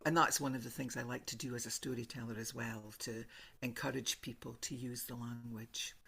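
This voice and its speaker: Northeast Scots storyteller in her sixties, low gravelly voice, unhurried. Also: fairly even intonation, fairly bright tone. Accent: Northeast Scots (Doric). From northeast Scotland. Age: 60s. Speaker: storyteller guest. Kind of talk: casual interview talk.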